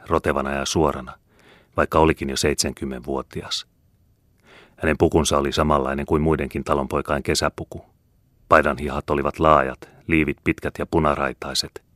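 A man narrating a classic novel as an audiobook in a measured, steady storytelling manner, close to a studio mic. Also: very deep voice, dry recording. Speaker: audiobook reader.

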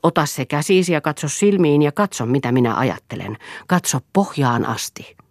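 A steadfast wife standing her ground, read by a woman in an audiobook. She speaks firmly and resolutely in a low, dry, close voice. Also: animated, no room sound. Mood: defiant. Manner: firm, resolute.

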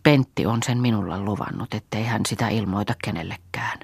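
A woman's voice: rumbling low, gravelly, a little mellow, slightly rough, dry recording, heavily acted. A woman doing a fussing, coaxing farmwife. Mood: coaxing worry. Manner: coaxing, soothing, half-whispered urging.

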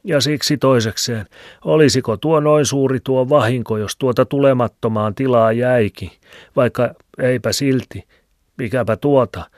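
A man's voice: medium pitch, darkish tone, no room sound, pitched above the performer's own voice, natural voice. A man voicing a stubborn, grumbling old village shoemaker with a rambling, folksy way of talking, in a dry close recording. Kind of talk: audiobook reading. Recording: dry close studio sound.

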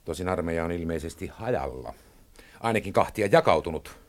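An actor playing a calculating, cautious male opposition leader in a radio drama, speaking in a measured, deliberate way. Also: low voice, expressive. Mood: tense. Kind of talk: 1960s radio drama acting.

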